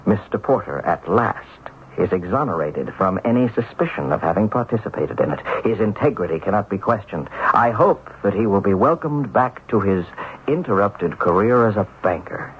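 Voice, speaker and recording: Determined wronged banker, low earnest voice, radio mystery drama, muffled recording. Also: male voice. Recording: muffled, noisy old radio broadcast.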